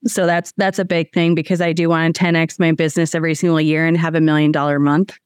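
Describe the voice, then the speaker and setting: A woman in a coaching group talks candidly and a little hesitantly, with fillers. Her voice is smooth and clear, and it sits close and dry on the mic with no echo. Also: deep voice, little pitch movement, fast talker. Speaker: group participant. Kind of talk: casual sharing in a group.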